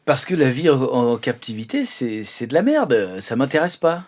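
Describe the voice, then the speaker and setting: A man's voice: medium pitch, very animated, moderate pace, darkish tone, dry recording, clean studio sound. A man improvising a disgruntled, argumentative captive who speaks casually and stammers as he protests. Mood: stubborn, fed up. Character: disgruntled, blunt male captive displaced from his own time. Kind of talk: improvised roleplay.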